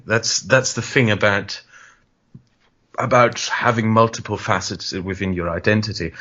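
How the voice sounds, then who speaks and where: A man's voice: lowish voice, a bit bright. A man who grew up in Wales, a guest in a casual discussion, talking thoughtfully and repeating phrases as he works through a point. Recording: muffled lo-fi audio.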